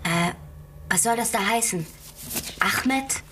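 A woman's voice: mid-range voice, slow pace, noisy background, natural voice. A woman playing a precise, dryly cheeky female AI assistant in a science-fiction audio drama, speaking in a matter-of-fact, technical way. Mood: mildly exasperated. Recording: distant voice over loud music.

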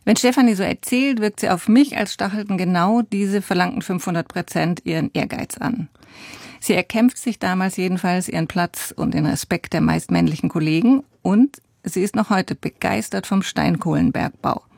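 A woman reporter tells a life story in a calm, measured narration with a low, gravelly voice. The recording is dry and close, with no room sound. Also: no room sound. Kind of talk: scripted feature narration.

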